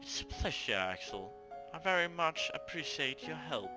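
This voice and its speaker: A man's voice: on the high side, sing-song, normal speed, pitched above the performer's own voice. Man reading as a coy young woman, sweet and coaxing, innocent manner, visual novel game, music behind.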